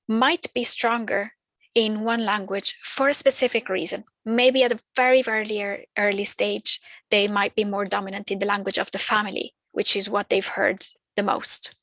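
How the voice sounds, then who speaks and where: A woman's voice: mid-range voice, creaky, fairly bright tone, no room sound. A woman whose first language is not English, explaining terms in a training talk, with fillers and restarts. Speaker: early years language trainer.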